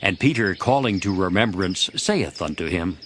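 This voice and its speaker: A man reading scripted scripture narration in a measured storytelling manner for a dramatized Bible recording. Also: low voice, animated, fairly bright tone, a little hiss or hum.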